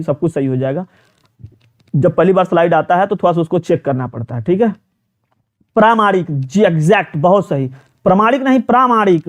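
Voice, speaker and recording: A man's voice: high voice, a little mellow. A man from teaches a live online exam-prep class. He talks students through each question, repeats words and keeps asking them for answers, with plenty of fillers. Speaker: Hindi teacher.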